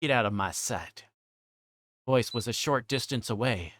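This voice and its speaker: Animated and a bit bright, this medium-pitched man speaks a little slowly. On his visual novel livestream he reads game text aloud, then wanders off into joking chat with the people watching.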